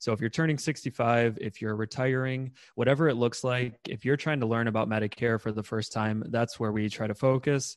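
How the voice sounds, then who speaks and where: A man's plain, everyday voice at medium pitch, fairly quick, with hardly any pauses and fairly even intonation. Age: 20s. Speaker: Medicare insurance agent. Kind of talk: casual chat.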